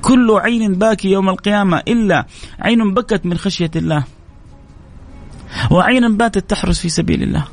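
A man's voice: sits high, a little fast, pauses often, soft background music. A man preaching an emotional sermon, pleading and repeating phrases with stammered restarts.

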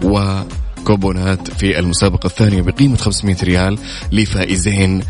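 Over clear background music, a Saudi man presents a casual morning radio show. His voice is on the low side, and he talks in a chatty way with the odd English phrase mixed in. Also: flat delivery, brisk, darkish tone. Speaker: radio host. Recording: music behind the voice.

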